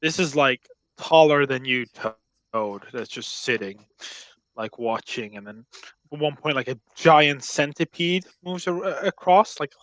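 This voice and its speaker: A man's voice: on the high side, unhurried, a bit bright, no echo, poor audio. A man running a tabletop game as game master, narrating casually and talking with the players.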